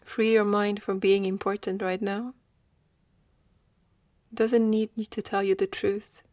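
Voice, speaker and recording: A woman leading a guided meditation in a slow, gentle manner with long pauses. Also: medium pitch, little pitch movement, no echo.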